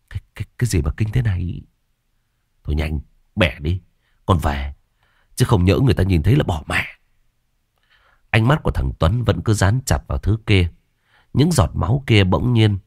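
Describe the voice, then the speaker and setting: A man narrating a horror story in a lively, expressive way. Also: deep voice, dry recording, studio quality.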